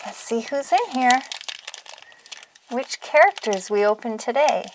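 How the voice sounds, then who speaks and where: Animated high-voiced woman hosting toy unboxing. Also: measured pace, background noise. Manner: gushing, exclamatory, sing-song. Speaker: toy unboxing video host. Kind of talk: playful toy unboxing narration for children.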